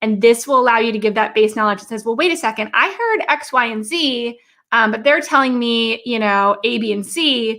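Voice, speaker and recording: In a very clean recording with a silent background, a woman speaks in a fairly high, bright, sharp voice. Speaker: financial educator for small business owners. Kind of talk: live stream explainer. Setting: live stream. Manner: fast; casual, conversational.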